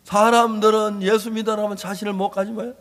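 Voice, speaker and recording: Male pastor, very high voice, emphatic repetitive preaching, long hall reverb. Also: level tone, brisk. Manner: emphatic, repetitive, swinging from loud to hushed. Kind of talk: impassioned sermon.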